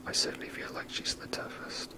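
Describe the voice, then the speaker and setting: Whispered voice, ASMR game commentary, rambling, unhurried, soft unvoiced delivery. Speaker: game streamer.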